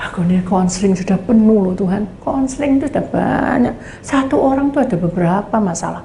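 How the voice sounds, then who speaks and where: A woman's voice: medium pitch, lively intonation, a little fast, gravelly, dark tone. Woman pastor preaching in an echoey room. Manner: dramatic storytelling, acts out voices. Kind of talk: testimony sermon. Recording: echoey room, faint background noise.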